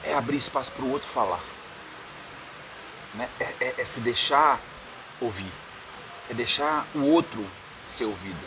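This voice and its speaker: A man's voice: medium pitch, a little slow, pauses often. Chatty man in a noisy bar. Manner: chatty storyteller, laughs often, repeats "né?". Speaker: radio producer and host, interview guest. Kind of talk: casual bar-table interview chat. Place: bar, indoors.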